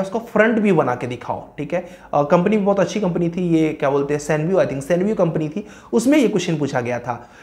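A man's voice: high voice, darkish tone. A male civil engineering educator talks students through career advice in a loose, conversational way. He piles up item after item and keeps checking in with "okay." His speech is sprinkled with English technical terms. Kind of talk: informal career-advice lesson.

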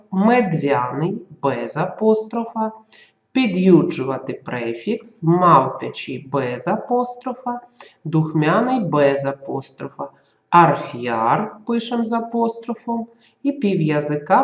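A teacher giving a school grammar lesson, dictating slowly and carefully and sounding out letters and example words. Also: medium pitch, reverberant, dull audio.

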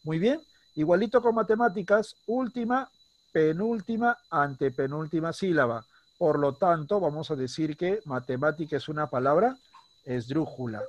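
A man's voice: fairly high pitch, no room sound, muffled recording. Patient male teacher with a dry sound. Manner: patient, checks in constantly with short questions; slows down and stresses words when explaining. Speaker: primary school teacher. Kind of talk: online class lesson. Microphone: computer mic on a video call.

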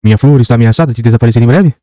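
A man's voice: medium pitch, very fast, warm tone, dry recording, clean studio sound, lightly acted. A man voicing a curious, persistent little boy prince who asks question after question. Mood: anxious. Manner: earnest, insistent questioning.

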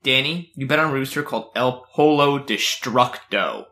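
A man's voice: mid-range voice, normal speed, bright, forceful tone, reverberant. A man playing a tabletop game, teasing and cracking jokes. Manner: teasing, wisecracking. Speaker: tabletop player.

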